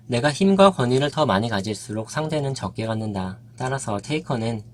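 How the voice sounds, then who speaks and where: A man narrating a nonfiction book in an even, measured reading voice. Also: medium pitch. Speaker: audiobook narrator.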